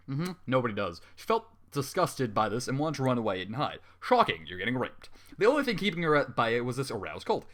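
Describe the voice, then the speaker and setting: A man's voice: medium pitch, a bit bright. Exasperated, sarcastic man reading aloud. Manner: exasperated, sarcastic, swears often. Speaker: story reader. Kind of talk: dramatic reading with angry commentary.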